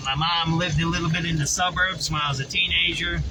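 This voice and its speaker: A man with a Chicago accent speaks at a high pitch and a fairly quick pace, with audible room echo and noticeable background noise. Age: 50s. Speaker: livestreamer and citizen reporter. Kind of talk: casual live-stream monologue. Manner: casual, repetitive, with false starts.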